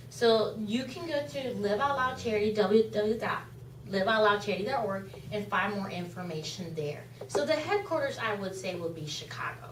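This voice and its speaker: A woman's voice: medium pitch, fairly bright tone, a little hiss or hum. A woman whose first language is Spanish, giving an earnest, impassioned charity talk to a club. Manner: earnest, impassioned, repeats phrases. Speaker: charity speaker. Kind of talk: club presentation speech. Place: meeting room. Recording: echoey room from far off.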